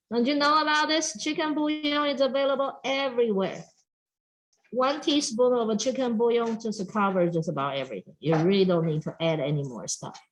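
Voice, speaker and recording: Lively Taiwanese-accented woman teaching cooking. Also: a little high, poor audio. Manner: lively, chatty, emphatic, talks straight to the audience with frequent "okay?". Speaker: extension educator. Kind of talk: cooking demonstration for a workshop.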